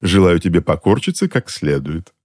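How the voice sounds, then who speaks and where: A man reading an audiobook and voicing a cold, sarcastic middle-aged aunt who speaks calmly and without sympathy. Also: sits low, no room sound, studio quality. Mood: cold, unhurried. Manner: cool, mocking, unhurried.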